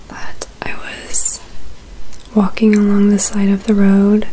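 A young adult woman doing a gentle, soothing ASMR roleplay in a breathy whisper, close to the microphone. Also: medium pitch, slight background noise, low-quality recording. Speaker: ASMR artist in a personal-attention roleplay. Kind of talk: soft-spoken ASMR roleplay. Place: small indoor room with curtains. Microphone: close USB condenser microphone.

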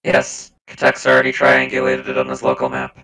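A man's voice: very deep voice, big pitch swings, a little fast, gravelly, pushed and bright. A man playing a tabletop game, describing his character with jokes and lots of fillers. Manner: jokey, filler-heavy descriptions. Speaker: player. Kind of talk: casual tabletop play over voice chat.

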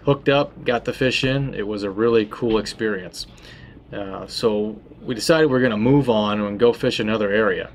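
There's slight background noise as a thirty-something tackle shop host from Florida explains fishing tactics in a lowish voice at a moderate pace. His delivery is relaxed and conversational, with frequent uh fillers and restarts.

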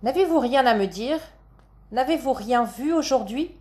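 A theatrical older man playing a stage father , voiced by a woman reading aloud. He exclaims in a loud, raised voice, pitched well above her usual tone, as in a storybook read aloud. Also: lively intonation, normal speed. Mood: commanding.

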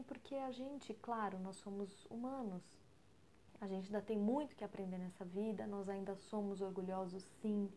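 Brazilian woman, Brazilian Portuguese accent, soft near-whisper, mellow tone, storytelling podcast at home. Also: medium pitch, slight background noise. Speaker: podcast co-host. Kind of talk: storytelling talk.

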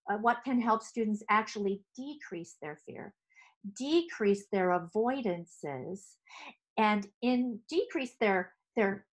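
A middle-aged woman, a speech therapist, presenting to fellow clinicians from her office, talking with lively hand gestures into a headset mic. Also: fairly high pitch. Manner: animated, gesturing with both hands. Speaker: speech-language pathologist. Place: home office.

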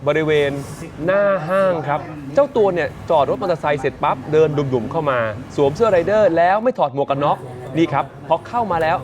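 A man presenting morning news, retelling events in a lively, chatty way and addressing viewers directly. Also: fairly high pitch, fast talker, a crowd in the background.

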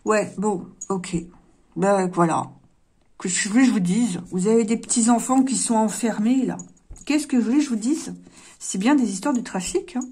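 Husky woman reading tarot cards. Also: medium pitch, normal speed, a little mellow. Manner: hesitant, apologetic, with frequent fillers and sighs. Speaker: tarot card reader. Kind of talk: casual card-reading monologue.

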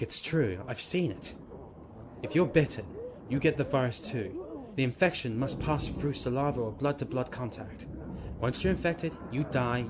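A man's voice: mid-range voice, close to an everyday voice. A man playing a curt, grave soldier explaining a zombie outbreak in an audio drama. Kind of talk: amateur audio drama acting. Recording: noisy amateur recording.

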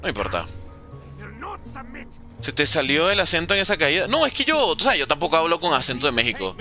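A man's voice: fairly high pitch, very animated, brisk, pushed and bright, soft background music. A nineteen-year-old man from Venezuela, a gaming streamer chatting casually and joking sarcastically while answering viewers. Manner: joking and sarcastic while reading chat questions. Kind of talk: casual livestream commentary.

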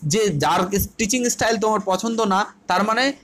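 A man with a high voice and a Bengali accent gives an online exam-prep class. He asks his students questions and answers them himself, repeats each key point and drops English terms into his Bengali. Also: normal speed, fairly bright tone. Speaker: teacher.

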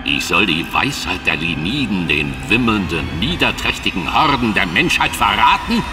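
An actor playing a proud, scornful alien creature whose words come through a mechanical translator as a toneless metallic voice, in a studio audio drama. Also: male voice, sits low, very animated. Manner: slow, haughty, contemptuous. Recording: echoing studio audio drama over music.

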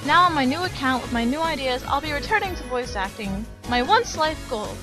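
A woman's voice: high-pitched, expressive, a little fast, music in the background. A woman, an amateur voice actor, giving a scripted introduction and credits.

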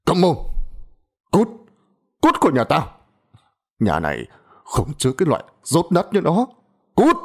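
A man's voice: on the low side, animated, fast talker, long pauses. A man voicing a harsh middle-aged farmer father who barks and curses at his family. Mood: furious. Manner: shouting, cursing, gruff.

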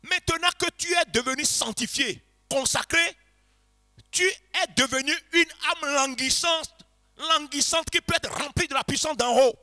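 Fervent high-voiced man preaching, half-chanting. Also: a little slow, soft background music. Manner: impassioned, shouting and chanting repeated phrases. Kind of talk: revival sermon. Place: church congregation.

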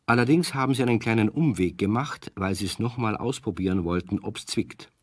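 A man's voice: on the low side, brisk, no room sound, clean studio sound, natural voice. A man acting as the storyteller of a children's radio play, narrating a scripted tale. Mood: storytelling.

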